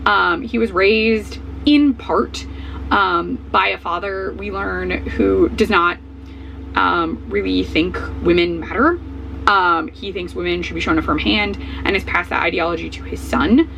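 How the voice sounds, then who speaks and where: Slightly hoarse woman, gravelly chatty vlogger. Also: on the low side, measured pace, a bit bright, poor audio. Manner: rambling, filler-heavy, self-correcting. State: slightly hoarse, voice coming back. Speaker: book vlogger. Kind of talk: casual chat. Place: at home, traffic noise outside. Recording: faint outdoor truck noise.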